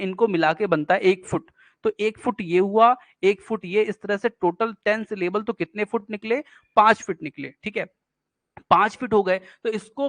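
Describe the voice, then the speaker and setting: A man's voice: high voice, fairly bright tone, dry recording. A man teaching poetic meter in an exam-prep lesson, explaining step by step, asking questions and answering them himself. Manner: reads poetry lines slowly, syllable by syllable. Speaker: English literature teacher.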